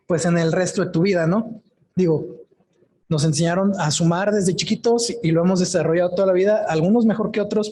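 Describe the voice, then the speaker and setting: A man's voice: high voice, a little mellow. Man, pastor, sermon, conversational, asks the congregation questions, frequent tag questions. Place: church service before a congregation.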